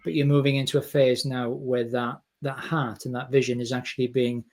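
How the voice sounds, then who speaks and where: A man's voice: medium pitch, little pitch movement, brisk, a little mellow. A man hosting an interview, summarizing his guest's points and asking follow-up questions. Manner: summarizing and rephrasing guest's answers. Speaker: podcast host.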